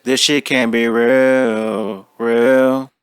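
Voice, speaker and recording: A man singing a slow recorded vocal, run through auto-tune. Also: medium pitch, level tone, clean tone, no echo, studio quality. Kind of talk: played-back sung vocal recording.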